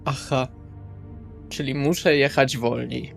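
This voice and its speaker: A man's voice: mid-range voice, steady tone, slow pace, gravelly. A man in a tabletop role-playing game, speaking colloquially and wryly as he improvises and narrates his character. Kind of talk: improvised in-character chat and third-person narration. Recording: music under the voice. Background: background music.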